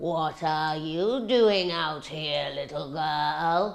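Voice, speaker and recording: Pitched in the middle, a put-on character voice moves at a very slow pace. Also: female-sounding voice. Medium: read story. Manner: sly, put-on sweetness.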